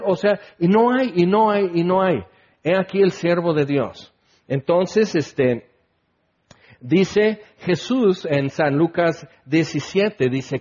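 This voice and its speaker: A man with a Mexican accent preaching in a relaxed, conversational way. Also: high-pitched. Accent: Mexican Spanish. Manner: conversational, acts out quoted people with a raised voice. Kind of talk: casual Bible teaching. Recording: dull lo-fi recording.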